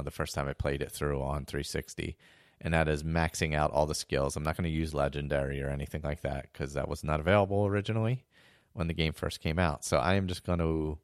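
A man hosting a podcast, talking casually and rambling with many restarts, hoarse as he is losing his voice. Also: a bass voice, no echo, studio quality. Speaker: podcast host. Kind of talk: casual monologue.

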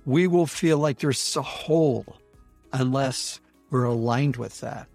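A man hosts a podcast and speaks in a measured, reflective way. His voice is gravelly, and faint music plays behind him. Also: medium pitch, darkish tone, dry recording. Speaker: podcast host. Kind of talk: conversational interview.

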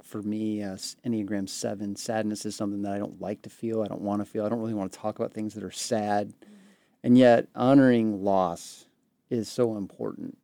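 On a ministry podcast, a male co-host warmly introduces guests and poses questions, sounding earnest and conversational. His voice sits on the low side, smooth and warm with some vocal fry, and the recording is dry.

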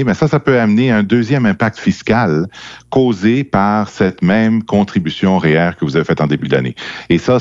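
A man with a Quebec French accent explaining things off the cuff as a podcast guest advisor, haltingly, repeating words. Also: low-pitched, darkish tone, dry recording. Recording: slightly dull, dry close recording.

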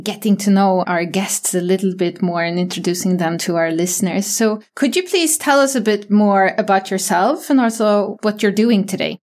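A woman's voice: medium pitch, normal speed, hardly any pauses, a little mellow. A woman co-hosting a podcast, presenting episode introductions and putting questions to guests. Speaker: podcast co-host.

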